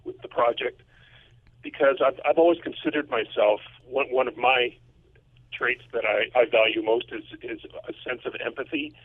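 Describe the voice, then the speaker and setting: A man calling in over a phone line to a casual interview as a composer, speaking in an earnest, halting way. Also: mid-range voice, slightly rough. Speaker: music composer. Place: remote, calling in. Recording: tinny, muffled phone line.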